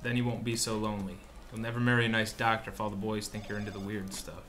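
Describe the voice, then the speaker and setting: An actor playing a sour, deadpan police evidence clerk in a sci-fi radio drama, full of dry sarcasm. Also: male voice, on the low side, fast, natural voice. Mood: sour, sarcastic.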